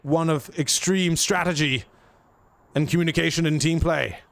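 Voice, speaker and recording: A man doing an excited, put-on British accent as a theatrical play-by-play caster for a tactical shooter match. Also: fairly high pitch, moderate pace, gravelly. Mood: hyped. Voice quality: hammy, theatrical hype delivery. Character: excitable male British-style game caster. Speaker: gameplay commentator.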